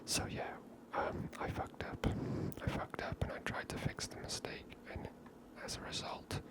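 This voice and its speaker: A woman hosting an ASMR gaming series, giving casual, unscripted commentary in a breathy whisper. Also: a little slow.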